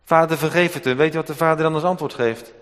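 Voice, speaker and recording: A man preaching a sermon, swinging between hushed, slow passages and loud, emphatic ones. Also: fairly high pitch, fairly even intonation. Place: church hall. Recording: long church reverb.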